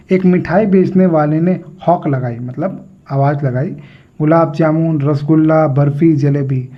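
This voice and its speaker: A male teacher explaining a story line by line. He reads the English slowly and repeats words to drill them. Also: on the high side. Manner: reads English lines slowly, then explains at length in Hindi. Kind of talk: classroom-style explanation of an English text. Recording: dull lo-fi recording.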